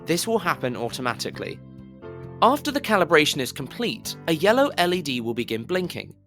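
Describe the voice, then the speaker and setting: Over-articulating male narrator with lively intonation. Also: a little high, a little fast. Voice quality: over-articulated, slightly pushed delivery. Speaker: voice actor on a demo reel. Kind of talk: scripted commercial and instructional narration. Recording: roomy, reverberant home recording, music bed. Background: music bed in places.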